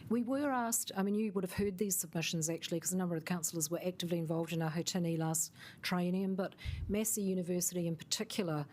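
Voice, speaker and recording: Measured woman answering council questions. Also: lowish voice, darkish tone, slight background noise. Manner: measured, thoughtful, with fillers. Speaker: council officer briefing councillors.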